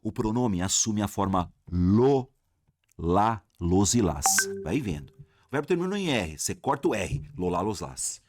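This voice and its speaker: A man with a Brazilian Portuguese accent teaching a lively exam-prep grammar lesson, talking straight to his viewers and asking himself questions. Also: lowish voice, a little slow, noisy background. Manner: animated, addresses viewers as "galera", asks himself questions.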